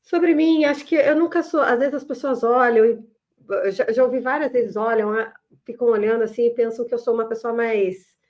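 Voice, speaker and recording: Speaking with a Curitiba accent, a woman uses a high pitch with ordinary pitch variation at a moderate pace. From southern Brazil, Curitiba. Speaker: energy industry association executive. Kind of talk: podcast interview. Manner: casual, conversational.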